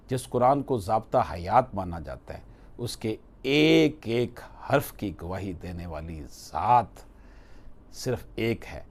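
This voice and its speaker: A man delivering a scripted devotional talk in a solemn, deliberate way, phrase by phrase. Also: fairly low pitch. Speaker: religious speaker.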